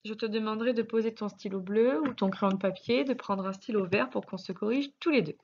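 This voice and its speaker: A woman teacher with a French accent, slowly and patiently correcting a spelling lesson for young pupils, sounding out syllables. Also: mid-range voice, a little mellow, muffled recording. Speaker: primary school teacher.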